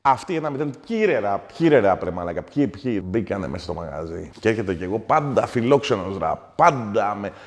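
A man's voice: lowish voice, sing-song, hardly any pauses. A man playing a foul-mouthed ranting taverna owner. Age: 40s. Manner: foul-mouthed, ranting, swings from mumbling to shouting. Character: crude middle-aged male taverna owner, hot-headed. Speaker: comedy character. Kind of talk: comic monologue. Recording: long hall reverb.

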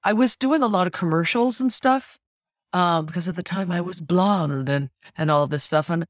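A woman in her sixties from California, a stage actress and singer, chatting as a podcast guest and telling lively stories full of restarts and asides. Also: fairly low pitch, no echo, studio quality. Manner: animated storyteller, quick restarts and asides. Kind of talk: casual interview chat.

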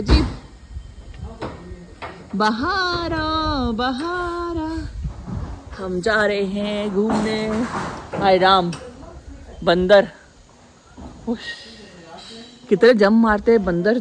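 A woman's voice: medium pitch, a little slow, long pauses, background noise. A woman vlogging casually on a phone camera, chatty and playful, exclaiming often as she walks through a market and sits down to dinner. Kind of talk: casual family vlog chat. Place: outdoors at a hill station market and restaurant.

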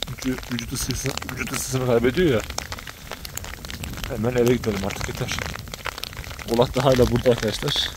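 A shepherd man vlogging outdoors in a hailstorm, calling out to his flock and talking to viewers on a handheld phone. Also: medium pitch. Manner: exclaiming and talking to the animals. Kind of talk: vlog narration to camera while herding. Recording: loud hail and rain noise.

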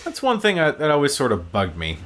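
A man giving casual, explanatory gameplay commentary, haltingly, as he plays. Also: on the high side, huge pitch swings, fairly bright tone, slight background noise. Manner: explanatory, halting while playing. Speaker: gaming show co-host and player.

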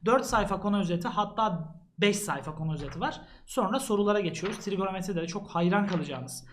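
A man's voice: high voice, fast, a little hiss or hum. A male math teacher talks students through an exam prep book in an earnest, casual way, addressing them directly as he flips through its pages.

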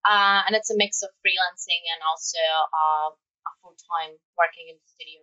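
A woman's voice: lowish voice, steady tone, normal speed, bright, forceful tone. Czech-accented young woman, distant dull mic. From Czech Republic. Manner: chatty, laughs often, many fillers. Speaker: guest, matte painter. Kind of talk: casual podcast interview.

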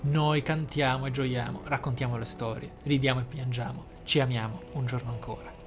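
Expressive man over music. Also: mid-range voice, fairly quick. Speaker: gaming channel host. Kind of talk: reading game lore aloud with off-the-cuff commentary. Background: game music.

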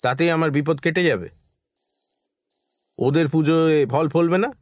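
A man's voice: on the high side, unhurried, a little hiss or hum, close to an everyday voice. Man playing a worried, plain-spoken village friend. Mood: anxious, questioning. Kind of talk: horror audio drama acting.

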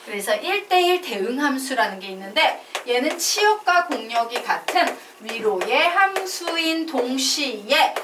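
This woman teaches math at a measured pace, barely pausing, her fairly high voice full of lively ups and downs as she drills students to chant definitions back to her. Her speech mixes casual and polite registers. The classroom audio is echoey and noisy, since she is positioned well away from the microphone.

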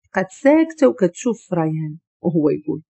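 A woman tells a romance story with a Moroccan Arabic accent. Her voice is mellow and slightly husky, and her delivery stays steady and even from line to line. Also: lowish voice, fast.

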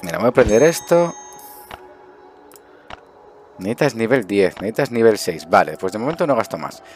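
Male gaming host, middle-aged, Spain accent, lowish voice, chatty think-aloud commentary over faint music. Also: sing-song, moderate pace. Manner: chatty, thinking aloud with muttered asides and self-questions. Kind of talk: casual improvised gameplay commentary. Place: indoors at a desk, webcam view.

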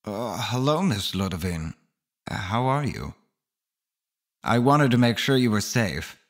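An actor playing a caring, reflective man who recounts eerie events in measured, dramatic first-person horror narration. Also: lowish voice, big pitch swings, no echo, clean studio sound, full character voice. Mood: concerned. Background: music underneath.

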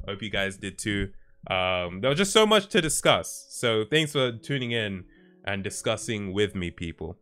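A man's voice: mid-range voice, sharp tone, clear, resonant tone. A young man streaming from home on a headset, chatting casually and laughing easily with his chat. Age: young adult. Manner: laid-back, laughs often, chatty with chat. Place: home streaming room, indoors.

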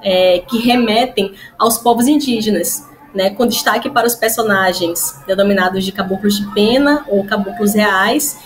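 A woman's voice: on the high side, slight background noise. A woman, explaining her research to camera from a small room at home on a webcam, with frequent fillers and tag questions. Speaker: historian presenting research. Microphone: webcam or laptop mic, video call framing.

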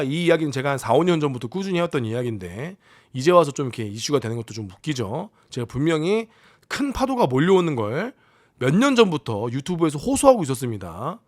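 A man giving casual commentary on the military on YouTube, ranting in a profane, exasperated way. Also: on the high side.

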